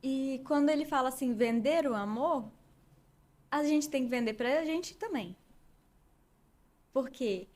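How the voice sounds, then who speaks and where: A woman's voice: high-pitched, measured pace, long pauses, a little mellow. A Brazilian woman, a guest on a casual podcast, talking in a reflective, storytelling way.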